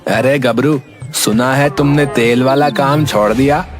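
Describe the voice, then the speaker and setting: A man voicing a boastful, smooth-talking young schemer in a cartoon, with a salesman-like pitch. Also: measured pace, over music, close to an everyday voice. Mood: smug. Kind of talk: cartoon voice acting.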